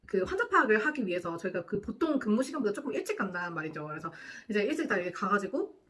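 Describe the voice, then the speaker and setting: A woman's voice: medium pitch, sharp tone. A young woman, a nurse, tells a work story to camera in casual chat, acting out the quoted lines and laughing often.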